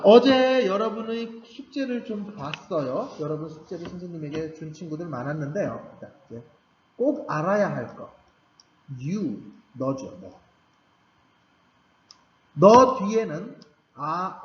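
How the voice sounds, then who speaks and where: A man's voice: a little high, lively intonation, a little slow. A man teaching a Korean language class to beginners, patiently repeating key points with emphasis. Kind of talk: recorded grammar lecture for beginners. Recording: roomy, slightly dull recording with faint background hum.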